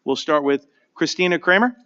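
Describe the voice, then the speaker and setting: A man chairing a town board meeting as supervisor, talking briskly, informally and in a friendly way, in a town hall meeting room. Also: fairly high pitch, lively intonation, sharp tone. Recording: dull lo-fi livestream audio.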